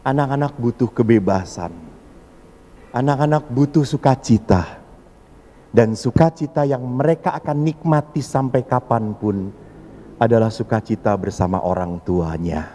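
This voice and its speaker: A man's voice: medium pitch, unhurried, warm tone, a little hiss or hum. A male Catholic priest giving a sermon, telling stories animatedly and acting out the voices in them. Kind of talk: sermon with lively storytelling. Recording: echoey hall.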